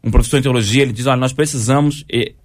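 A man's voice: medium pitch, fairly even intonation, very fast. A man, a pastor, teaching on a talk show and citing Bible verses as he explains. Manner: explanatory, cites scripture verses.

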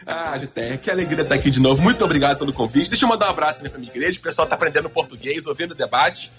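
A man's voice: fairly high pitch, expressive, over music. A man in his thirties, a pastor on a radio panel, speaking enthusiastically. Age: 30s. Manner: rapid, enthusiastic.

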